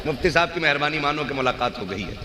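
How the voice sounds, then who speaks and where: A man's voice: on the high side, lively intonation, quick pace, background noise. Man preaching to a crowd, echoey hall. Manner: banters with the crowd and calls out slogans for them to answer. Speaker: religious speaker. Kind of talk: sermon to a live gathering.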